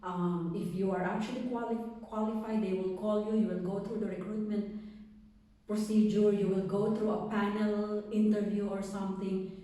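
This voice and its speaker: A woman's voice: medium pitch, flat delivery, normal speed, warm tone. A Filipino woman with a Filipino accent answers interview questions conversationally, often repeating words and restarting her phrases. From Philippines. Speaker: interviewee giving a testimonial. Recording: echoey room, distant microphone.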